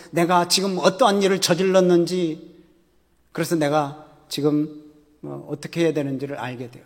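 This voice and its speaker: A man's voice: a little high, a little mellow, long reverb tail. A man, a pastor, preaching a sermon conversationally with rhetorical questions to the congregation.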